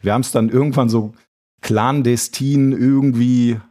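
A man's voice: medium pitch, steady tone, measured pace, mellow. A man co-hosting a casual podcast, telling rambling anecdotes and laughing often. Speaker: podcast co-host.

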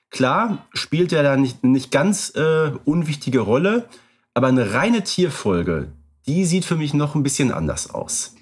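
A man co-hosting a podcast, chatting casually, relaxed and thinking aloud with frequent filler sounds. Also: a little high, husky. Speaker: podcast co-host.

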